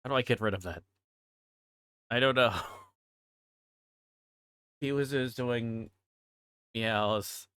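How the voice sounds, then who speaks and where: A man livestreaming in casual chat, with a halting, repetitive and scattered way of talking. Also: mid-range voice, fairly bright tone, clean tone, no echo.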